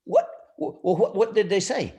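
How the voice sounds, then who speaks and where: A man's voice: high voice, big pitch swings, moderate pace, creaky, mellow, exaggerated voice. Man acting a cranky old jeweler, swooping stammer. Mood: blustering, indignant. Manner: stammering, querulous. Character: cranky old male jeweler, forgetful and blustering. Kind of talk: campy 1940s radio noir acting.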